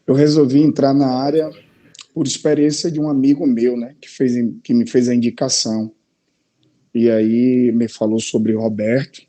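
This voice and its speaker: A man speaks as a guest over a video call. His voice is mellow and relaxed, and he talks hesitantly, often checking in with his listeners. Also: medium pitch, normal speed. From Salvador, Bahia, Brazil. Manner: hesitant, with frequent "né?" and "certo?". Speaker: guest, real estate broker. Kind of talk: casual live-stream chat.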